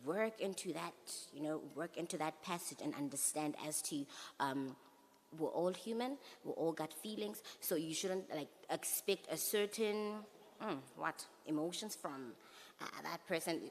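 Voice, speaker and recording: A woman's voice: deep voice, unhurried, a little hiss or hum. A young woman speaking as a panelist in a youth discussion, hesitant and full of fillers as she searches for words. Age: young adult. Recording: long hall reverb.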